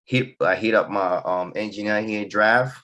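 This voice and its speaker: A young man with a Nigerian accent, a musician guest speaking in a relaxed, loose way in a radio studio. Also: fairly low pitch, moderate pace, dull audio. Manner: relaxed, loose talk full of "you know". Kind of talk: radio interview.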